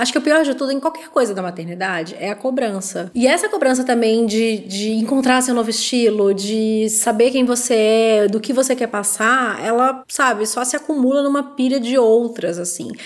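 A woman with an unremarkable speaking voice talks at a moderate pace with hardly any pauses, her fairly high pitch showing ordinary variation. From Belo Horizonte, Minas Gerais, Brazil. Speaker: podcast co-host, fashion content creator. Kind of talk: casual chat.

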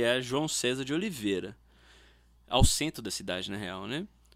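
A man's bright, sharp voice with vocal fry and very wide pitch swings. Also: very clean recording, silent background. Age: 20s. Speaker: podcast co-host, graphic designer. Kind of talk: casual comedic chat.

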